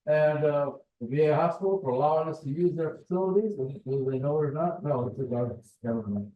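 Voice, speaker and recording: A man's voice: fairly high pitch, fast talker. Man hosting, in a dull echoey room. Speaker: meeting host. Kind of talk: informal closing remarks. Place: meeting room at a hospital.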